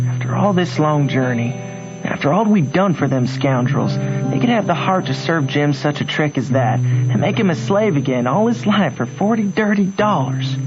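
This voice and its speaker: A man's voice: fairly high pitch, lightly acted. An actor playing an earnest runaway country boy who narrates his adventures in a folksy, reflective dialect for a radio drama. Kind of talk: scripted first-person narration in radio drama. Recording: dull lo-fi radio recording, music behind.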